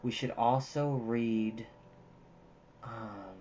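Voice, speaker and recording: A livestream host of about thirty chatting casually and exclaiming in an animated, talkative way. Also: mid-range voice, extremely slow, dull audio, slight background noise. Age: 30s. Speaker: livestream host who reads books aloud. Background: prominent jazz music.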